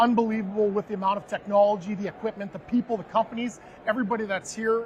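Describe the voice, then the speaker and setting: A man with a Canadian accent speaks at a very fast pace and a high pitch. His intonation is fairly even over noticeable background noise. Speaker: aviation company executive. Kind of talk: live trade show interview. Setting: trade show floor.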